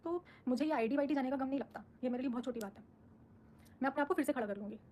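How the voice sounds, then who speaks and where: A woman talks quickly and firmly on a live stream, answering the comments her viewers send her. She sounds defensive and outspoken, and her voice sits fairly high for a woman. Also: darkish tone, slight background noise. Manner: firm, defensive, speaks her mind. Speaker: social media creator on a live stream.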